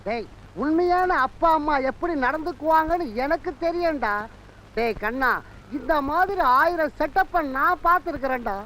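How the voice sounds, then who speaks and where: A woman's voice: high voice, normal speed, a bit bright, a little hiss or hum, poor audio. An actress playing a knowing woman who mocks a boy, in film dialogue. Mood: mocking. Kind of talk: 1980s Tamil film dialogue.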